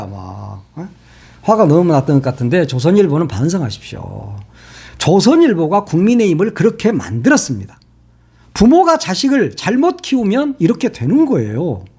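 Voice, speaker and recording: A man delivers a casual political monologue in a sarcastic, heated rant, swearing freely. His voice sits high and leaps all over the place. He drops into low mutters between outbursts. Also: a little mellow, husky. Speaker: political commentary channel host.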